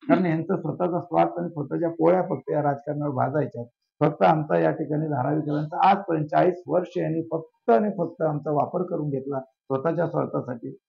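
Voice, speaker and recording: Gravelly high-voiced man making a passionate case. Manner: rhetorical, repeats questions, builds long lists. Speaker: social worker. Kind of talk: impassioned political interview. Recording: dull lo-fi sound.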